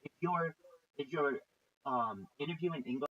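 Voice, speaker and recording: A man's voice: a little high, husky, highs cut off. A man coaching a caller over a call, full of encouragement and praise. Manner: encouraging, praising, slow and reassuring. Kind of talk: casual video call coaching.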